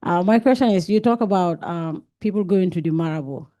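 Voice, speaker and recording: A woman's voice: on the low side, a little fast, dark tone. A woman journalist from Gambia asking a question politely and hesitantly, with many fillers.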